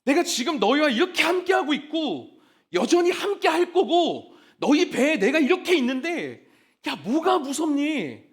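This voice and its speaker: Man doing a kind fatherly jesus in a sermon, soft comforting questions, voice swings up and down. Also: high-pitched, lively intonation, fast, few pauses. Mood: reassuring. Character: gentle fatherly Jesus reassuring frightened disciples.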